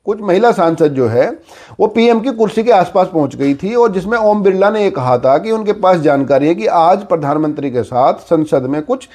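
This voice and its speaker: High-pitched man delivering political commentary. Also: lively intonation, moderate pace, darkish tone. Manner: conversational explainer with repeated filler phrases. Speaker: news commentator. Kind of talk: informal political news commentary.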